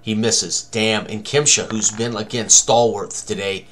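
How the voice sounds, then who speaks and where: A man's voice: lowish voice, steady tone, a little slow, a bit bright, a little hiss or hum. An older man in his sixties hosts a casual tabletop combat tutorial, narrating each step in short fragments as he goes. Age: older, around 60s. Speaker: tabletop game designer and tutorial host. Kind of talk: casual tutorial commentary while rolling dice. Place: small room indoors at a computer.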